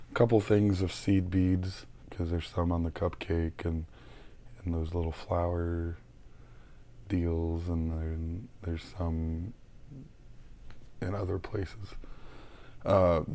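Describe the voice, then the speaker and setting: A young man losing his voice, chatting casually and haltingly about his cross-stitch projects from a small room at a webcam. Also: low voice, darkish tone, a little hiss or hum. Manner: rambling, many ums, halting. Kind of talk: casual chat showing crafts. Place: small bedroom with shelves of plush toys.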